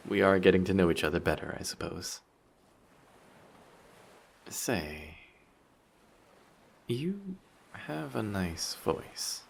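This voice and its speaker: A man's voice: sits low, lively intonation, extremely slow, vocal fry, pauses often, slight background noise, full character voice. A man playing a handsome, vain, flirty sea monster posing as a passenger in a roleplay audio drama, with a polite, formal, teasing and self-assured manner. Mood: teasing, curious.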